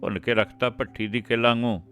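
A man voicing an older village grandmother in an audiobook, imploring and cursing her son, raised a little in pitch and volume. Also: a little fast, a bit bright, close to an everyday voice. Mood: scolding curses. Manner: wailing, imploring.

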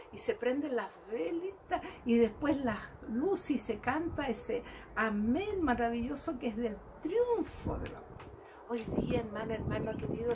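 A woman's voice: on the high side, noisy background. A woman giving a fervent devotional reflection and calling her listeners dear brothers. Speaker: lay preacher. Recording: music playing behind her.

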